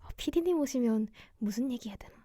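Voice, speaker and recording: A young woman hosting a cozy radio-style livestream chat, speaking in a soft, gentle, quiet way. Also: fairly high pitch, lively intonation, fast, no echo, clean studio sound. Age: young adult. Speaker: radio DJ host, idol singer livestreaming.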